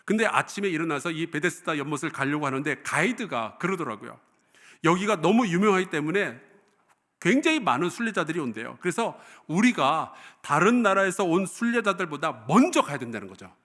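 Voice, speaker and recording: Korean pastor preaching with lively swings. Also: male voice, fairly high pitch, fairly quick. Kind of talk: sermon.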